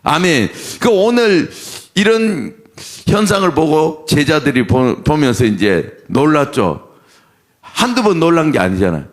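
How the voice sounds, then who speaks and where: A man's voice: a little high, sing-song, measured pace. A middle-aged man preaching a sermon as pastor, asking the congregation questions and answering them himself.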